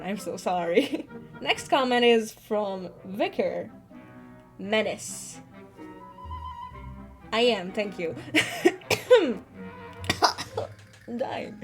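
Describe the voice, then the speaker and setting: A woman webcomic artist chatting casually as she answers fan comments, laughing often and swearing freely. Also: medium pitch. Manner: giggly, chatty, laughs often between sentences. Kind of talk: casual Q&A chat.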